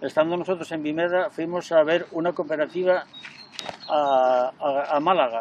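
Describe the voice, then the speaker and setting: A man talks in a high pitch with fairly even intonation. The sound is dry with no echo, with light background noise. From Asturias, Spain. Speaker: former priest and rural activist; former priest. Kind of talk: interview. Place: garden.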